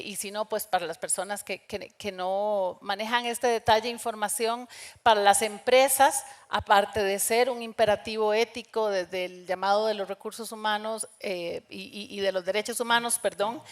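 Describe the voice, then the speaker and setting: A woman's voice: on the high side, fairly bright tone. A woman moderating a live panel discussion, hesitant, with many fillers and restarts. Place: conference stage.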